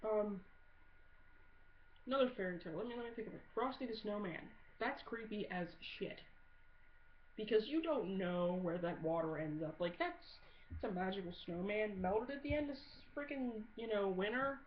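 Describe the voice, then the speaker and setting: A woman rambles casually to her video audience with blunt, sarcastic humor and plenty of swearing. Her pitch sits in the middle for a woman. The recording is dull and muffled, with noticeable noise behind her. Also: animated, normal speed. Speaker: amateur video blogger. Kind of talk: casual comedic rambling monologue. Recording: muffled audio with clear background noise.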